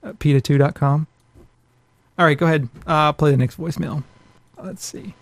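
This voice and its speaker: A man's voice: fairly high pitch, steady tone, normal speed, dry recording. A man co-hosting a casual podcast in a blunt, opinionated, ranting way, swearing freely. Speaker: podcast co-host. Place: small home office.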